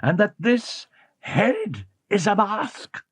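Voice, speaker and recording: A man voicing a deformed, jealous masked man who hisses and roars in slow, tormented speech. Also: high-pitched, very animated, slightly rough, no room sound, pitched above the performer's own voice, heavily acted. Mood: raging, anguished. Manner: slow, hissing, roaring.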